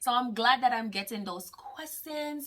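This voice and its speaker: A woman's high, bright, sharp voice with ordinary pitch variation, at a moderate pace, on a very clean recording with a silent background. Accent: Jamaican. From Jamaica, Montego Bay. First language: Jamaican Patois. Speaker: mental health therapist, vlogger. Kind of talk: casual vlog Q&A.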